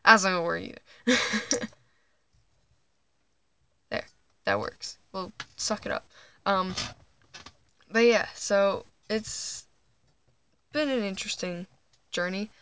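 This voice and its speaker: A teenage trans guy talking quietly and hesitantly at night under his bed, recording on a phone, with nervous laughs. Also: high voice, lively intonation, slow pace, pauses often, smooth. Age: teens. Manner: hushed late-night talking. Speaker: vlogger. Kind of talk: casual personal vlog. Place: under a bed at home, indoors. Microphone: phone camera.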